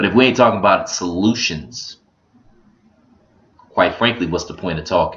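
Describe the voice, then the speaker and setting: There are long, frequent pauses from a man with a fairly low pitch and an animated tone. His loudness swings widely while his pitch varies in an ordinary way. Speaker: live stream talk show host. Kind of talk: live talk show monologue. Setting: home live stream. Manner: fast.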